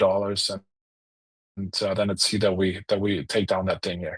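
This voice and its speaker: With a German accent, a man speaks at a fairly quick pace and a fairly low pitch against a quiet background. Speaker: land investing coach. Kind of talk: live deal review call. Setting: video call. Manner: casual, filler-heavy.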